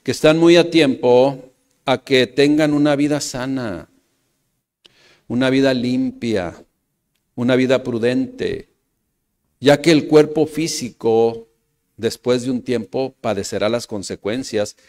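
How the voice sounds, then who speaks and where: A pastor speaking with a Mexican Spanish accent preaches slowly to his congregation, pausing often. He repeats phrases, calls out to the brothers and the church, and moves between loud bursts of emphasis and soft low asides.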